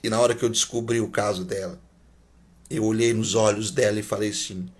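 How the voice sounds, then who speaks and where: Guy preaching a sermon, kinda breathy husky voice, repeats stuff for emphasis. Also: on the low side, steady tone, a little fast. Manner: emphatic, repeats key phrases, drops to a near whisper.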